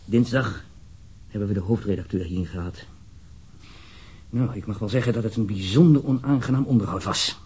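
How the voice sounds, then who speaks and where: Husky, evasive government official. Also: male voice, fairly low pitch, normal speed, long pauses, darkish tone. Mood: formal, displeased. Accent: Netherlands Dutch. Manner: hesitant, formal, wordy, throat-clearing. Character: uneasy, evasive male government official, formal and diplomatic. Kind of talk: radio drama dialogue.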